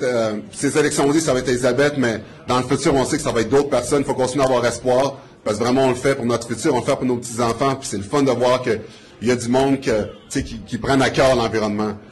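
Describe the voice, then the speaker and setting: A man with a Quebec French accent giving an informal, earnest rally speech, with colloquial phrasing and repetition. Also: mid-range voice. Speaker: political party speaker introducing the leader.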